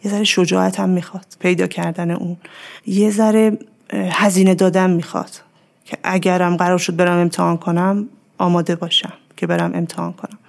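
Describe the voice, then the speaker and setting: A woman speaking as a podcast guest, calmly explaining her ideas with everyday examples in a reflective, advising tone. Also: on the low side, gravelly. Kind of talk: reflective advice in conversation.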